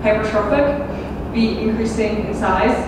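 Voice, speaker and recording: A young adult woman, a student debater, arguing quickly and assertively in a formal debate. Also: on the high side. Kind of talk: formal debate, cross-examination. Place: large echoey university hall. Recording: echoey hall, distant mic, background noise.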